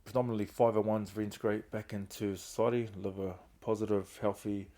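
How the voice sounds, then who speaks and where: Earnest low-voiced New man. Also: little pitch movement, fairly quick, warm tone. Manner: earnest, open, speaks of hard times with emotion. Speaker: guest, founder of a reintegration trust. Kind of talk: candid personal storytelling.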